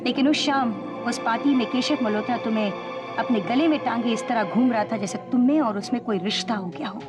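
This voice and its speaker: Bitter, accusing TV-serial woman played by an actress, slightly high voice, deliberate and dramatic, score playing behind. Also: lightly acted. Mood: scornful. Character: bitter, accusing woman blaming a rival for her brother's death. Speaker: actor in a TV serial. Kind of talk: Hindi TV melodrama acting. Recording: TV drama with prominent background music.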